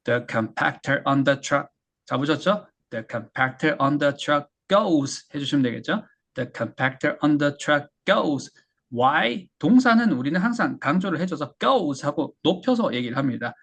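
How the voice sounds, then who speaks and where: Male language tutor, gravelly and husky, slow drills, brisk explanations. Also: fairly high pitch, expressive, a bit bright. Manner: drills English words slowly, then explains briskly. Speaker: English pronunciation teacher.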